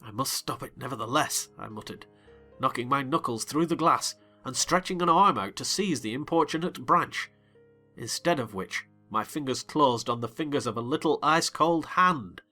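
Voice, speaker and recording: Guy narrating an audiobook, bright punchy voice, really theatrical, soft music behind. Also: medium pitch, moderate pace. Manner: theatrical, rising to excited shouts in dialogue. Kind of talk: dramatized audiobook reading.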